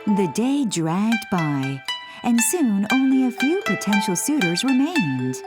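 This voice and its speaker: A woman's voice: medium pitch, very animated, takes it slowly. A woman narrating a scripted children's bedtime story. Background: background music.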